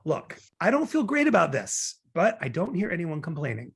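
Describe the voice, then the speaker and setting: Actor as husky, creaky neurotic single guy. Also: on the high side, huge pitch swings, moderate pace, heavily acted. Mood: breezy, defensive. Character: neurotic wisecracking single man, defensive and talkative. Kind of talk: virtual table read of a film comedy. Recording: remote video-call table read.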